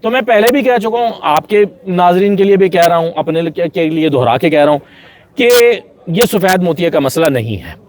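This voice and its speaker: A man's voice: high-pitched, expressive, moderate pace. A man with a Pakistani accent giving conversational political analysis as a journalist, repeating phrases for emphasis.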